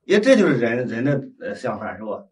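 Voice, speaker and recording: A man preaching as a Catholic priest, telling a story with lively acted-out dialogue and frequent tag questions to his listeners. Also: mid-range voice, fast. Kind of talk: storytelling sermon. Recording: voice heard from a distance.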